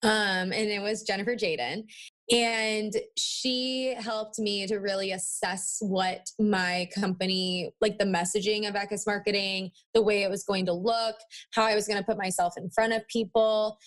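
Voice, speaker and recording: A woman's voice: medium pitch, fairly even intonation, moderate pace. A woman in her twenties chatting as a podcast interview guest in a valley-girl manner, peppering her talk with "like" and "you know". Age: 20s. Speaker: interview guest, marketing agency owner. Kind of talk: casual podcast interview chat.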